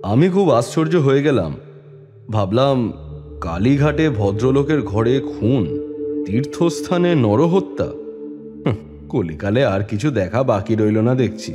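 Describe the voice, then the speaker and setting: An actor playing a calm, authoritative police inspector who narrates his own case in a dramatised detective story, measured and composed. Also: mid-range voice, lightly acted. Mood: probing. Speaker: story reader and lead actor. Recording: long reverb, music bed behind.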